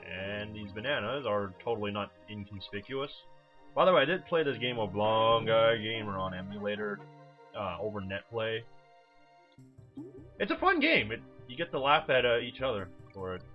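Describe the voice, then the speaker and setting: Lively man doing lo-fi gameplay commentary. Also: on the low side, normal speed. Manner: rambling, informal, swears. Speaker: video game let's player. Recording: dull lo-fi mic over game music. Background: video game music.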